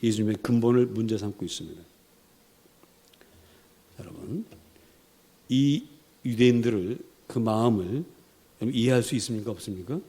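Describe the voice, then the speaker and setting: A man's voice: lowish voice, moderate pace, pauses often, mellow. A man preaching a sermon in a church, dramatic and emphatic, acting out quotations as he goes. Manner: dramatic, acts out quotations, rising to emphatic peaks. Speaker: pastor. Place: church sanctuary.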